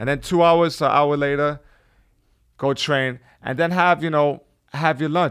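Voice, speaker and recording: With a New York accent, a man speaks fairly slowly in a fairly high voice with fairly even intonation and long, frequent pauses, on a very clean recording with a silent background. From New York City, Lower East Side. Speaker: boxing trainer and stand-up comic. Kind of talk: interview.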